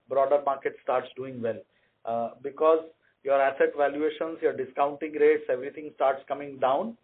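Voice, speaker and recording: A man speaking as a company executive on an earnings call, explaining to analysts in a measured, methodical way over a conference line. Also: fairly high pitch, narrow, tinny audio.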